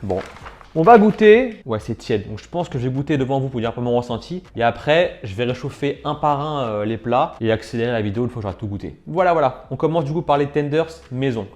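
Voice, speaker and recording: A man's voice: medium pitch, quick pace, few pauses, a little mellow. A man chatting casually as he tastes and reviews food for his vlog, sometimes talking with his mouth full. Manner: chatty, talks with mouth full while tasting. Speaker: food challenge vlogger.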